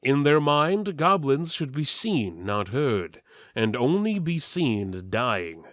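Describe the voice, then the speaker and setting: A man's voice: mid-range voice, slow pace, no echo, clean studio sound. Theatrical man narrating with dramatic swings. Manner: theatrical, deadpan delivery of absurd lines. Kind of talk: mock-serious dramatic reading of fantasy fiction.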